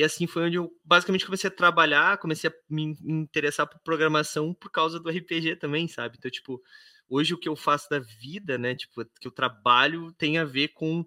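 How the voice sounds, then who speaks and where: With big swings in loudness, a man speaks at a fairly high pitch and moderate pace in a bright, sharp tone, captured as a dry, close sound with no echo on a very clean recording with a silent background. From southern Brazil, Rio Grande do Sul and Santa Catarina. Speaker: RPG content creator and product designer. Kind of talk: casual chat. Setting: live stream.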